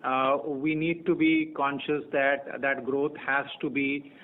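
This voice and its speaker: A man with an Indian accent gives unscripted executive answers on an earnings call, measured and halting, often repeating phrases as he searches for words. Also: medium pitch, flat delivery, creaky. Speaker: company executive answering analyst questions. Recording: tinny narrow-band phone conference line.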